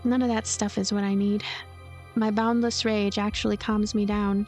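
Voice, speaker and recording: A woman's voice: mid-range voice, level tone, normal speed, a little mellow, faint music behind, natural voice. A woman voicing a cynical, lonely girl who narrates her own visual novel story in a blunt, wry, calculating way. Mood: sardonic. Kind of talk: first-person visual novel narration read aloud.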